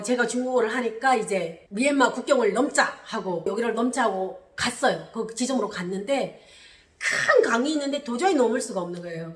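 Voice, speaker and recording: A woman from North Korea tells her defection story with real animation, her pitch climbing and dropping as she acts out the shouts and cries of the people in it, and she laughs as she goes. Her voice sits a little higher than most women's. The room around her is echoey. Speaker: YouTuber recounting her defection.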